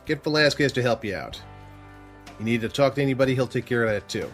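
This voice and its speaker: An actor playing a gruff, irritable police sergeant with a military past, brusque and commanding, in an audio drama. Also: male voice, medium pitch, expressive, quick pace, faint music behind, close to an everyday voice. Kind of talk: full-cast audio drama acting.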